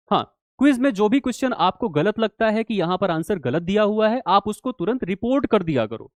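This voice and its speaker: In a dry recording, a young man with a high-pitched voice casually leads a live online exam-prep class, solving quiz questions. He frequently checks in with students, calling them bhai and repeating "theek hai" and "clear".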